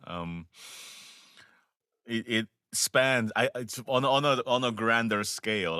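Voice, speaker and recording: A man with a Korean accent, a voice actor giving measured, thoughtful interview answers with frequent pauses and restarts. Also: low-pitched, pushed and bright, no room sound, studio quality. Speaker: voice actor guest.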